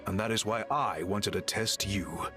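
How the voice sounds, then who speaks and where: An actor playing a learned male tribal scholar in a game, speaking in a measured, formal, explanatory way. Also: on the low side, music in the background, close to an everyday voice. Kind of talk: game dialogue.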